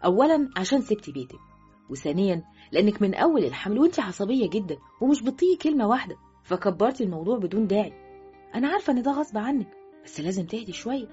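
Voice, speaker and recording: A woman's voice: high-pitched, sing-song, rapid-fire, dark tone, slightly rough, soft background music, pitched above the performer's own voice, exaggerated voice. Woman voicing a fretful Egyptian mother. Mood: calm advising. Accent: Egyptian Arabic. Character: worried, scolding middle-aged Egyptian mother. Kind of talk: audiobook character voice. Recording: dull, lo-fi audio.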